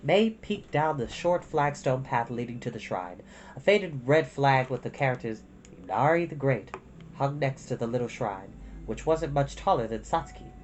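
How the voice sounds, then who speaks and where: A woman reading a children's novel aloud as an expressive storyteller. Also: extremely low pitch, moderate pace, a little hiss or hum. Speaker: storytime reader. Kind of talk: expressive scripted storybook narration.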